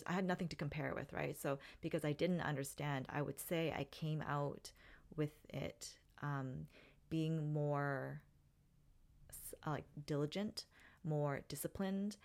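Low-voiced woman, reflective podcast host. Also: gravelly. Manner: reflective, frequent ums and restarts. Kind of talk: solo podcast storytelling.

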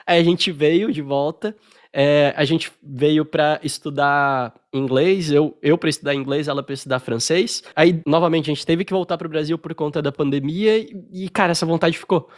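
Relaxed Brazilian man, higher voice. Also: normal speed. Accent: Brazilian Portuguese. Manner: relaxed storytelling, frequent fillers. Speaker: podcast guest. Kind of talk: casual interview chat.

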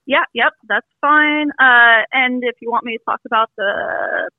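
A woman's voice: on the high side, unhurried, no echo. A woman calling in over the phone, chatting casually and laughing easily. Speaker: caller. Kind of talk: casual chat. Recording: tinny phone line.

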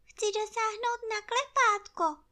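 Lady doing a teeny squeaky piglet, way up high, timid. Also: pushed and bright. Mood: earnest. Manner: squeaky, small and earnest. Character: tiny timid young piglet. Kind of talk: storybook reading.

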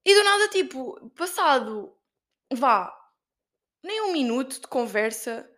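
A young woman with a European Portuguese accent hosts her solo podcast, telling stories in a chatty, animated way full of fillers. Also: sits high, slow. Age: young adult. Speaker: podcast host and student. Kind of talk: casual solo podcast chat.

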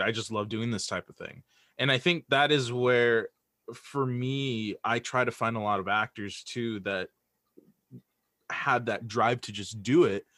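A young man speaking as an interview guest in casual chat, earnest and halting, often repeating words as he thinks. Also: medium pitch, pushed and bright, no room sound, clean studio sound. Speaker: guest, audio drama creator.

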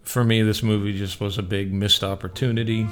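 A man's voice: lowish voice, flat delivery, a little fast, soft background music. A man hosting a radio show, giving casual, opinionated film reviews in a conversational way.

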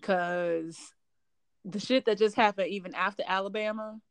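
A woman's voice: mid-range voice, steady tone, moderate pace, clean tone, no room sound. A woman with an African American St. Louis accent co-hosting a casual podcast, blunt and slangy, swearing freely. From St. Louis, Missouri, US. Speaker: podcast co-host.

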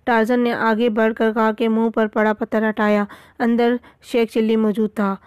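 A woman reading a children's story aloud in a steady way, with small slips. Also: a little high, clean tone, no room sound, studio quality.

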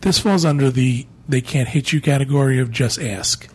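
A male podcast co-host with a slightly husky voice. He gives practical advice in an easygoing, conversational way. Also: mid-range voice, normal speed. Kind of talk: casual podcast chat.

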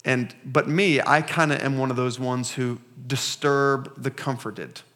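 Male pastor, 30s, mid pitch, deliberate sermon delivery with call-and-response. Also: fairly even intonation, a bit bright. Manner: slow, emphatic reading with congregation call-and-response.

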